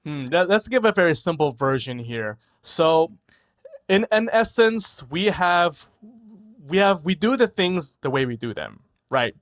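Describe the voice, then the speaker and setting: His voice sits on the high side, with big pitch swings and a slightly slow pace. The speaker is a New York man in his forties, a guest physician who first spoke Korean, chatting thoughtfully in a casual interview over a video call from home, repeating words and often tagging on "right?"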